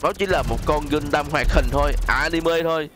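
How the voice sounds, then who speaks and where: A man's voice: a little high, fairly quick, a bit bright, faint music behind. A man with a southern Vietnamese accent hosts a gaming video, giving casual gameplay commentary to his viewers.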